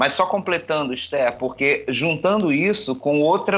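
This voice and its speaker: A man with a plain, everyday voice, lively intonation and a fairly slow pace. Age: 40s. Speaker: design lecturer. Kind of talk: casual chat.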